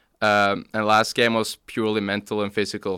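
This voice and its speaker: A man's fairly low, bright, sharp voice with a Norwegian accent, dry and close with no echo, in a very clean recording over a silent background. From Norway. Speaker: college squash player. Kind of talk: interview.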